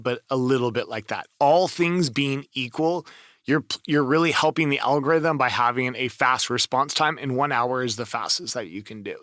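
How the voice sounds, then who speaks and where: A man's voice: mid-range voice, sharp tone, dry recording, clean studio sound. A man giving enthusiastic, emphatic advice as a voice-over coach in a casual screen-share review.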